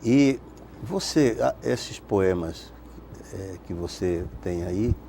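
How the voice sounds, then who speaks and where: A male interview host with a very deep, dark-toned voice, speaking in short, encouraging prompts. A faint hiss of noise runs under the recording. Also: animated, slow pace, vocal fry. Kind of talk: casual interview conversation.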